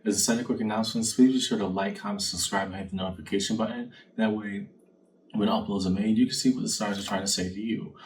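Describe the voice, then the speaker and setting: A man's voice: lowish voice, steady tone, fast talker, a little mellow. A man giving a conversational fortune-teller card reading, reflective and speaking straight to the listener with rhetorical questions. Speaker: tarot card reader, channel host. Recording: distant mic, faint background noise.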